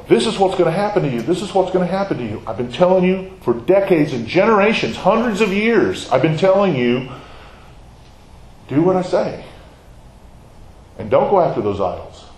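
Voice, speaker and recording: A man's voice: mid-range voice, darkish tone. Echoey conversational male Bible teacher. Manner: conversational, asks the listeners questions. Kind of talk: Bible study sermon.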